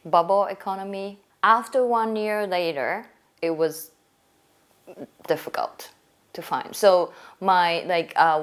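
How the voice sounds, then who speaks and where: A middle-aged woman answering interview questions in a measured way. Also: fairly low pitch. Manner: measured, with fillers.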